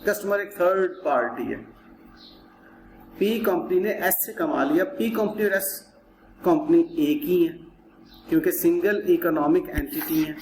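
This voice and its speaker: A man with a Pakistani accent lecturing as an accounting teacher, explaining step by step in a didactic way, repeating points and posing rhetorical questions. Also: fairly high pitch. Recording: roomy echo with clear background noise.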